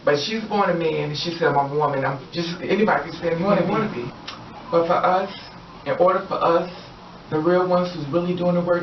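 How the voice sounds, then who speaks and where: A woman's voice: on the low side, slight background noise. A woman vlogger giving her opinions in a casual monologue, emphatic and repetitive, preaching encouragement. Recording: roomy, distant, dull lo-fi audio.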